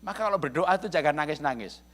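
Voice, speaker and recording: Animated, bright-voiced male pastor preaching. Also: on the high side, racing. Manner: jokey, addresses congregation as "saudara", chuckles often. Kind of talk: lively humorous sermon. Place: church service.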